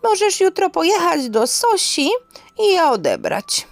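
A woman voicing a grumbling, folksy elderly aunt in an audio drama, scolding yet affectionate, with exclamatory, drawn-out speech. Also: extremely high pitch, big pitch swings, gravelly, no echo, soft background music, pitched above the performer's own voice, full character voice. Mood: brisk, affectionate.

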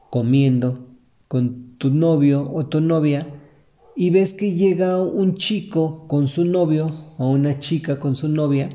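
Slow, very dark-voiced Mexican man. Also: fairly high pitch. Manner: earnest, motivational, speaks to the listener directly. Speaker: podcast host. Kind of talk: reflective podcast monologue.

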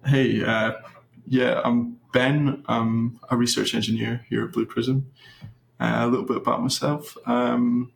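Gravelly Scottish man, flat and even. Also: mid-range voice, measured pace. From Scotland. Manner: relaxed, thoughtful, hesitant with fillers. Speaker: research engineer. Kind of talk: interview guest, explaining. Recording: roomy echo.

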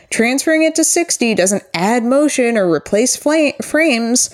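A woman co-hosting a podcast, reviewing an animated film in casual chat with wry, opinionated remarks and the odd swear word. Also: medium pitch. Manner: wry, opinionated, profane asides. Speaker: podcast co-host.

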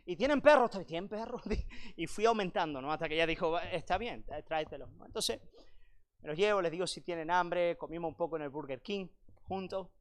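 A man preaches to a retreat congregation. He tells a lively personal story, then turns to direct exhortation, speaking to his listeners as brothers and sisters. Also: high voice, a little fast. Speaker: pastor. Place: church retreat hall.

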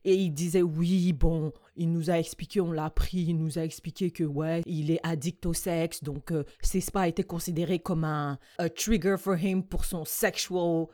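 A woman with a notably low voice, talking casually and animatedly as a podcast co-host. She hops between French and English mid-sentence. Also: fairly even intonation, normal speed, few pauses, warm tone. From West African family.

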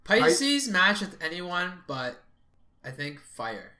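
A young man from Canada who grew up speaking Cantonese, co-hosting a podcast in casual, animated, sweary chat. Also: sits high, slow pace. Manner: animated, swears freely, lots of "like". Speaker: podcast co-host.

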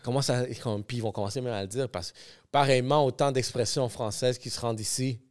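A man hosting a casual podcast, talking animatedly with "comme, yo" fillers and thinking out loud. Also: mid-range voice, steady tone, fast. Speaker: podcast host.

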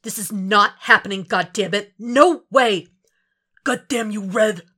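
A woman's voice: medium pitch, unhurried, sharp tone, pitched above the performer's own voice. A woman voicing a grim, impatient male vigilante in a story reading, with terse and threatening delivery. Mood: angry, urgent.

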